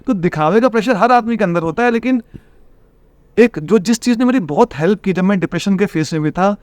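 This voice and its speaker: High, smooth-voiced earnest man from Bihar. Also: animated, fairly quick, no room sound. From Bihar, India. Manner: earnest, advice-giving, calls the host brother. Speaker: trader and IIT coaching teacher, podcast guest. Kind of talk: casual interview talk.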